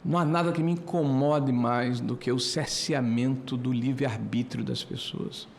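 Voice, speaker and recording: A man in his sixties giving a committee floor speech, hesitant with many filler pauses, building to emphatic indignation. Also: mid-range voice, steady tone, creaky, slight background noise. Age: 60s. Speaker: senator. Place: senate committee room.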